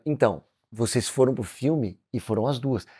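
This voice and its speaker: A man co-hosting a relaxed interview show. He asks his questions in an easy, conversational way, with a mid-range voice. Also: mid-range voice, normal speed, breathy edge. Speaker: co-host. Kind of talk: casual interview chat.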